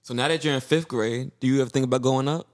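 A man's voice: mid-range voice, fairly even intonation, quick pace. A man with an African American English accent, chatting casually as a host in a slangy, teasing way and jumping in with questions. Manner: teasing, interrupts with repeated questions. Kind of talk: casual banter, slangy interview chat.

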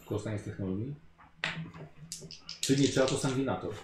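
A man's voice: mid-range voice, brisk, echoey room, background noise. A man as game master, narrating a tabletop game in a descriptive way with filler sounds.

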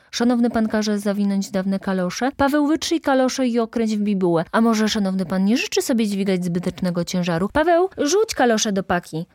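A woman's voice: mid-range voice, a little mellow, dry recording, clean studio sound, pitched above the performer's own voice, lightly acted. A woman voicing a foppish young male shop clerk in an audiobook, glib and theatrical, with effusive, exaggerated politeness.

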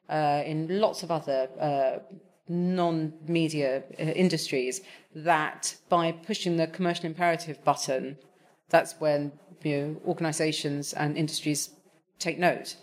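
A woman talking on a panel, hesitant, with many fillers and restarts. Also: sits low. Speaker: TV executive on a panel. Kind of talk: conversational panel talk.

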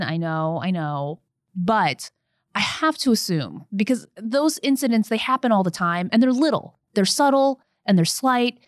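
A young woman attorney telling a personal story in an earnest podcast conversation, growing animated as she recounts events. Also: mid-range voice, no echo, clean studio sound.

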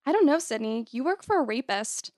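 A woman plays a scheming fiancée in an audio drama. She is blunt and resentful, pressing her point in a fairly high voice with a very dry, close sound. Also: animated, a little fast, a little mellow, no echo. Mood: pushy, resentful.

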